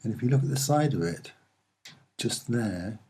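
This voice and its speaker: A soft-spoken man giving a halting, unscripted commentary as he points things out, with frequent pauses. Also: mid-range voice, animated, slight background noise. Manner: hesitant, halting, with many pauses. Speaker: amateur video presenter.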